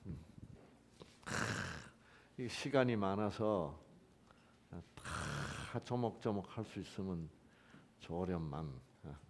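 A middle-aged man with a low voice lectures on the Bible in a church, speaking slowly with long pauses against slight background noise. He keeps things lively, quizzing the audience and joking and laughing as he goes.

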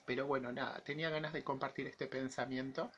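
A man's voice: mid-range voice, fairly even intonation, quick pace, a bit bright, dull audio, a little hiss or hum. A man in his forties with an Argentine accent, giving his opinion to camera as a vlogger, his voice affected by an infection he is recovering from. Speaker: YouTube vlogger. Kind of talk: personal opinion monologue to camera.

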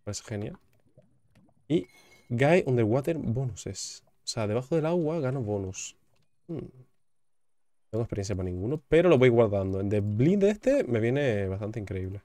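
A man's voice: medium pitch, big pitch swings, moderate pace, warm tone, dry recording. A young man, chatting casually while playing a game and repeating words as he reacts. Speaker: gaming YouTuber. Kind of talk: casual gameplay commentary.

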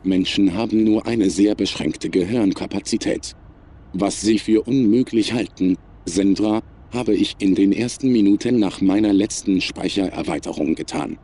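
Man playing a low, mellow, emotionless computer mind. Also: husky. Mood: cold, detached. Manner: measured, formal, emotionless. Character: sentient male artificial intelligence, coldly logical and superior. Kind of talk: science fiction audio drama acting.

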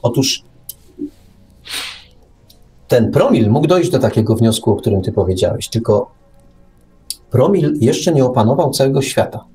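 A man's voice: mid-range voice, sing-song, a little slow, long pauses, dark tone, soft background music. A man co-hosting a talk show, giving an opinionated, sarcastic monologue with emphatic rhetorical questions and repeated words. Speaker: radio show co-host and commentator.

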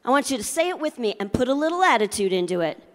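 A middle-aged woman with a fairly high voice speaks from a convention floor, her words carrying long reverb from the hall. She delivers a motivational keynote as comic storytelling, with theatrical emphasis aimed right at her audience. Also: very animated, fast. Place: large convention hall, indoors. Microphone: handheld microphone.

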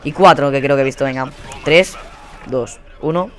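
Foul-mouthed Spanish gamer yelling at his match. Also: mid-range voice, moderate pace, slight background noise. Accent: Spain Spanish. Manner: profane, exasperated ranting with sudden yelled outbursts. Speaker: gaming channel host. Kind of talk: live gameplay commentary.

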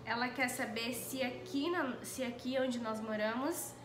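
A woman's voice: fairly high pitch, measured pace. A young woman with a Brazilian accent, reading out questions in a casual chat, recorded in a living room. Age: young adult. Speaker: interviewer reading viewers' questions. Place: small living room, on a couch. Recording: echoey room with light background noise.

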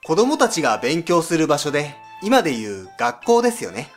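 A man plays a devoted young celestial lover in an animated storybook tale. He speaks politely and earnestly, with lively rises and falls, over faint music. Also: on the high side, moderate pace. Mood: polite, curious. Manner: polite, earnest, gentle wording. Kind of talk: scripted educational story dialogue.

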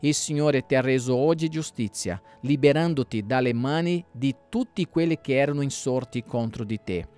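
A man's voice: medium pitch, normal speed, few pauses, a little mellow, smooth, soft background music, natural voice. A man reading the lines of a foreign runner who reports formally and deferentially to a king. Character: foreign male runner bringing news, formal.

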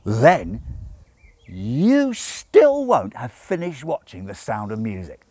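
A man's voice: medium pitch, huge pitch swings, takes it slowly, darkish tone, no echo, pitched above the performer's own voice, exaggerated voice. A man voicing a sly, drunk male demon in a storybook reading, rambling and insistent. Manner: rambling, emphatic, persistent. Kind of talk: dramatised book reading. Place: outdoors in a garden.

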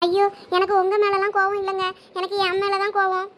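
A woman's voice: very high voice, monotone, brisk, a bit bright. A woman acting as a young wife in a village family comedy-drama, talking in a pleading, emotional way. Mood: upset. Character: young wife, tearful then shy. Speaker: actor in a village family skit.

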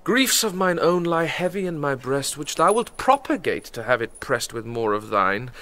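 A man's voice: fairly high pitch, very animated, moderate pace, bright, forceful tone. An actor playing a lovesick, brooding young nobleman in a British-accented Shakespearean radio drama, speaking ornate verse with sighing, declamatory melancholy.

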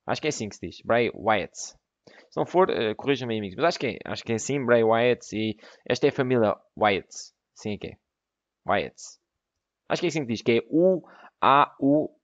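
A young man with a European Portuguese accent doing excitable let's play commentary, breaking into loud exclamations. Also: medium pitch, a little fast, no room sound, lo-fi sound. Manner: excitable, bursts into exclamations and laughter. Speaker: gaming YouTuber.

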